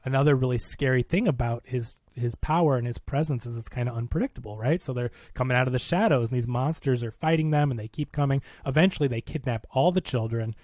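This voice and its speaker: A man's voice: medium pitch, fast talker, few pauses, a little mellow, no echo, studio quality. Male podcast host chatting casually. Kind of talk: casual movie review chat, recapping a plot.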